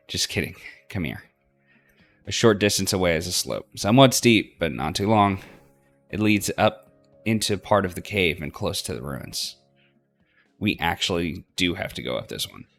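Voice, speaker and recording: A man narrating a story game aloud as a let's play host, expressive in his reading. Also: low-pitched, normal speed, vocal fry, soft background music.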